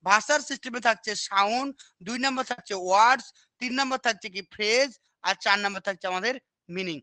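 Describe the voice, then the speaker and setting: A woman's voice: fairly high pitch, bright, forceful tone, dry recording. A woman teaching an exam-prep lesson, repeating key terms and quizzing students with questions. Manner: repetitive, quizzing, asks "understood?" often.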